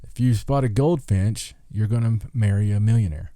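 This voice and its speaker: Male podcast host, low dark voice, dry humor, casual read of folklore lists, very close dry sound. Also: fairly quick, no echo. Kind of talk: reading a list of folklore with casual joking asides.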